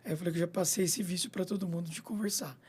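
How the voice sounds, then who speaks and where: Veterinário falante, rápido e de voz rouca. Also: male voice, high voice, steady tone, rapid-fire, darkish tone, husky. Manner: chatty, repeats "entendeu?" and "né?", acts out little scenes. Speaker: veterinarian and clinic owner. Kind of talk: radio interview guest, casual chat.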